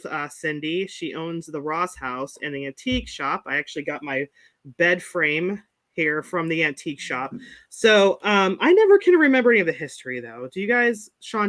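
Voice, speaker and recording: A woman's voice: fairly low pitch, fairly bright tone, dry recording. A woman with an Appalachian accent co-hosting a podcast, chatty and giggly, often trailing off mid-sentence. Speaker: podcast co-host. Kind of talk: casual chat.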